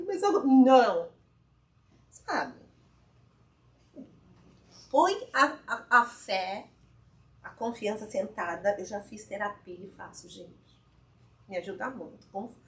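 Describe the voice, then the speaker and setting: A woman's voice: mid-range voice, lively intonation, takes it slowly, pauses often. A woman giving an informal spiritual talk to a live audience, chatty, often checking in with them as she speaks. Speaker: guest speaker at a spiritist fellowship. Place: lecture hall with a live audience. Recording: echoey hall, mic at a distance.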